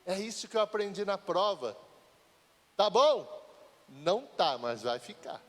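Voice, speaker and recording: Male pastor, 50s, high voice, long church reverb, sermon with rising pleas. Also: sing-song. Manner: swings from low, slow scripture reading to high, loud pleading.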